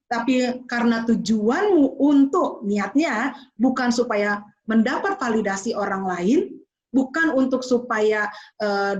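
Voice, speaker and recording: A woman giving a motivational talk to students, expressive and slipping into English phrases. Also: on the high side, lo-fi sound. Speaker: motivational speaker.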